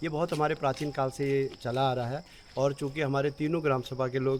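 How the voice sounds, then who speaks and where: A man talks at a moderate pace and medium pitch. It is an unremarkable speaking voice. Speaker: village representative. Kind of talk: news interview. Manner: formal.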